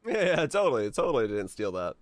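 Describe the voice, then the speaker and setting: A man's voice: mid-range voice, very animated, fast, dry recording, studio quality. A man from Finland chatting casually and informally with viewers as a game livestreamer, musing aloud with some mild swearing. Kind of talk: casual chat with stream viewers.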